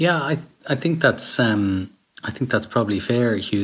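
This man speaks at medium pitch with ordinary pitch variation. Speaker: political editor. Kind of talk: panel discussion. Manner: halting.

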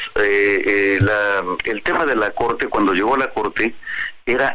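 His speech comes very slowly. The man's voice is fairly low in pitch. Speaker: legislator. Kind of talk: radio interview.

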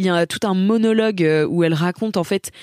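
Recorded very cleanly with a silent background and a dry, close sound with no echo, a woman speaks at a fairly low pitch with ordinary pitch variation. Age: 20s. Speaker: film recommendation podcaster. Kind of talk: casual monologue review. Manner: hesitant, many fillers.

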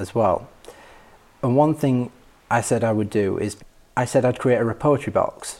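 In a British accent, a man speaks at a medium pitch and a moderate pace with ordinary pitch variation. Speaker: guest sharing a poem. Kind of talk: reflective conversation. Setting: live in-person event.

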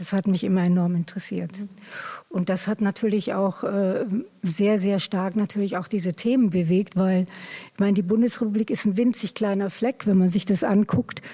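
Somewhat breathy, a woman speaks at a moderate pace and medium pitch, her tone dark and mellow and her intonation fairly even. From East Germany. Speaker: theatre director. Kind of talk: casual chat.

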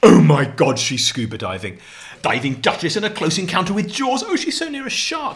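A man talks at a moderate pace, his pitch swinging very widely. Background noise is noticeable throughout. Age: 50s. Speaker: podcast host. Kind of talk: casual banter chat.

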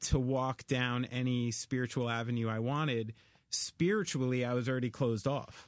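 Against a very clean recording with a silent background, a man speaks at a moderate pace in a normal speaking voice with a medium pitch. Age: 30s. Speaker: drummer. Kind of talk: casual chat.

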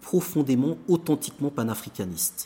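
Somewhat breathy, a man with a medium pitch talks at a moderate pace with lively intonation. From Benin. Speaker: historian. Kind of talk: interview.

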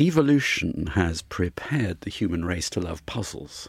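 A man's very deep, low voice, somewhat breathy, with lively intonation. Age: 60s. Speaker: playwright and novelist. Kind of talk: casual chat. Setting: studio.

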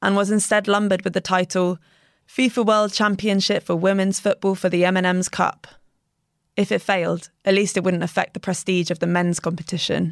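A woman talks at a moderate pace in an unremarkable speaking voice, with fairly even intonation and very even loudness. The sound is dry and close, with no echo. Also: very clean recording, silent background. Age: 30s. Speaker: journalist and podcast producer. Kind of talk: reading aloud.

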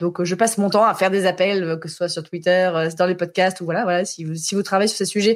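On a very clean recording with a silent background, a woman speaks in an animated tone. Her pitch is medium and her pace moderate. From grew up abroad. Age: 20s. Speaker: history podcaster. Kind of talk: casual interview.

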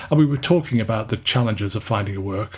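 A man with an English accent speaks at a fairly quick pace and a medium pitch, with ordinary pitch variation. His voice is somewhat breathy, on a very clean recording with a silent background. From England. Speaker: job strategist and podcast host. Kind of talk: casual interview. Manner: formal, polite.

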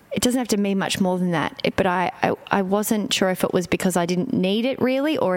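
A woman talks at a moderate pace with lively intonation over noticeable background noise. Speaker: podcast host. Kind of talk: casual interview chat.

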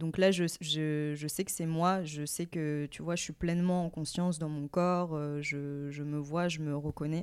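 A woman with a very deep, low voice talks at a fairly slow pace with hardly any pauses, in a monotone, flat intonation. The recording is very clean, with a silent background. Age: 20s. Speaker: actress and social media manager. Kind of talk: casual chat.

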